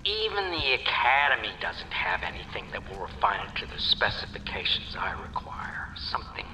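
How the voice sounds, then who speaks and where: Sharp-voiced, obsessive muttering inventor. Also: male voice, on the low side, roomy sound, distant mic, full character voice, low-quality recording. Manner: precise, formal, muttering to himself. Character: obsessive, self-assured inventor muttering over his experiments. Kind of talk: video game voice acting.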